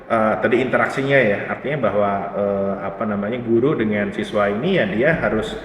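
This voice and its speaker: A man who is a company CEO, speaking as an interview guest and explaining at length. He talks casually and pauses often, searching for his words. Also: lowish voice, slight background noise. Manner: thoughtful, many pauses and fillers. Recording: reverberant room, distant mic, faint ambience.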